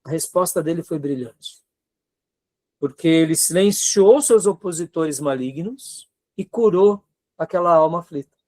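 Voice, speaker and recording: Brazilian guy teaching a bible class, pretty high voice, earnest, keeps asking the room questions. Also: a little slow, a little mellow. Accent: Brazilian Portuguese. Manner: earnest, exhorting, asks rhetorical questions, frequent tag questions. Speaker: seminary teacher. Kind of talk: lively seminary lecture.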